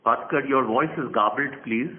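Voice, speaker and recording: A man's voice: medium pitch, normal speed. A man with an Indian accent answering as a company executive on an earnings call, speaking in a firm, instructive way and setting out points. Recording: tinny phone line, noisy conference call.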